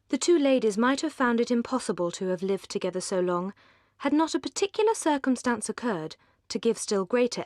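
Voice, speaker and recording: A woman's voice: mid-range voice, dry recording, clean studio sound. Poised English woman narrating an audiobook. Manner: poised, measured. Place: studio.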